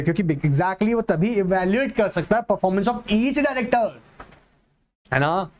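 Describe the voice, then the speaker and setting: A male tutor with a high, light voice gives an exam-prep lecture, switching between Hindi and English terms. He poses questions and answers them himself, and a faint hiss sits under the recording. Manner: asks and answers his own questions, slows to read English text aloud. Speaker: online tutor.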